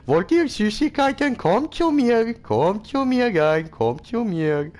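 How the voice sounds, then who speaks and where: A man with a Swiss German accent voicing a creepy grown man in underwear, calling out in a high sing-song. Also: big pitch swings, takes it slowly, a little mellow, heavily acted. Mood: teasing.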